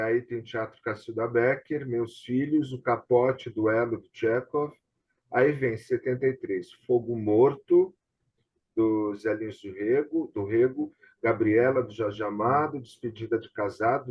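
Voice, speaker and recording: A man with a Brazilian accent hosts in a conversational way, reading items aloud. His voice is husky and sits at a middle pitch. The sound is dull and lo-fi, like an online call. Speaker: host.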